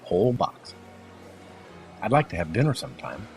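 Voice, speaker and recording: A man's voice: on the low side, big pitch swings, normal speed, gravelly, soft background music. An actor playing an eager, friendly academic man in naturalistic audio drama dialogue. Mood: hopeful. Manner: friendly, conversational.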